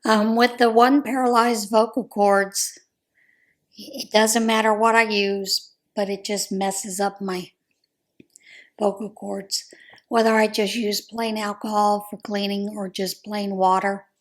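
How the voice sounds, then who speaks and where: An American woman whose voice is a little hoarse talks through a relaxed crochet vlog. Her talk is chatty and meandering, full of small ums and asides, with an easygoing, friendly pace. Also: mid-range voice, takes it slowly. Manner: chatty, rambling, with frequent ums. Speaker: crochet vlogger. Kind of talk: casual chat.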